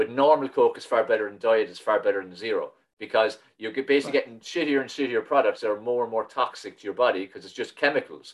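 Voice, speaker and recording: The speech comes at a very fast pace. Its loudness swings widely. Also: man. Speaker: podcast host and high performance consultant. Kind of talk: interview conversation. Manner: motivational, inspirational.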